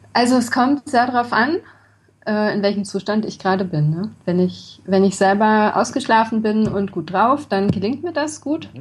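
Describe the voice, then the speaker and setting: Lively intonation from a woman, somewhat breathy and fairly high in pitch, at a moderate pace. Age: 30s. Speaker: blogger and hypnobirthing coach. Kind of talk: interview. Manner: hesitant, many fillers.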